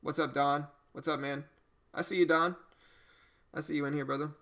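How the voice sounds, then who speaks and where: This Louisiana man speaks at normal speed in a voice on the high side, a slight Cajun accent coming through. Hosting a day-trading livestream, he casually reads and responds to viewer comments, easygoing and peppered with "you know."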